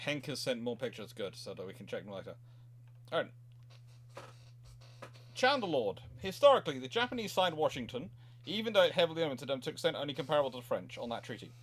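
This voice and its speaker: A man's voice: mid-range voice, sing-song, fast, fairly bright tone. A man hosting a casual live history question session, rambling and often repeating himself as he goes. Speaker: naval history livestream host.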